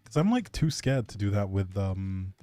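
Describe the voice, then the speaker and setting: Low and dark, this man's voice is very animated as he chats with viewers at normal speed during a casual gaming stream. His commentary rambles, hesitates and often trails off while he replies to chat, with background music underneath.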